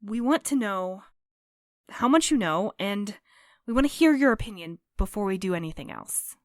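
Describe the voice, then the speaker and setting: A woman's voice: mid-range voice, animated, normal speed, no room sound, clean studio sound, lightly acted. A woman playing a diplomatic, level-headed courier in an audio drama, speaking in a careful, placating way. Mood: earnest.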